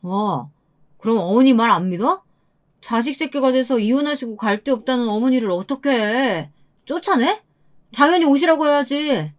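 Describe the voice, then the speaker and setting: A woman's voice: a little high, expressive, extremely slow, few pauses, no room sound, clean studio sound, pitched above the performer's own voice. Woman reading a hot-tempered husband. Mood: defensive.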